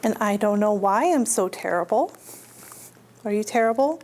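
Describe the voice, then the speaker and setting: Medium in pitch and expressive, this woman speaks at a normal speed with a slightly mellow tone; a faint hiss or hum is audible. She's a librarian reading picture books aloud at a children's storytime, using simple speech aimed at kids and asking her young listeners questions.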